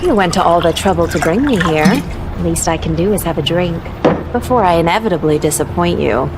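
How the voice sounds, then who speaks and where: A woman's voice: fairly low pitch, lively intonation, a little fast, close to an everyday voice. A woman voicing a defiant young heroine who talks bluntly and sarcastically. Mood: wry. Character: feisty young heroine, sharp-tongued and defiant. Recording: noisy recording.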